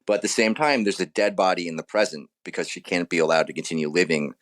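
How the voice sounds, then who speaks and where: Deep-voiced man, an author being interviewed. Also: quick pace, a bit bright. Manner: explanatory, often rephrasing mid-thought. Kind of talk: casual explanatory interview talk.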